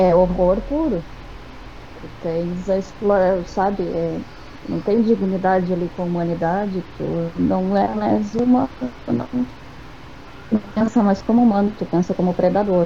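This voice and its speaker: In a southern Brazilian accent, the speaker goes at a fairly slow pace with long, frequent pauses and ordinary pitch variation. Noticeable background noise runs underneath. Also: woman, medium pitch for a woman. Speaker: RPG player. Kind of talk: casual chat.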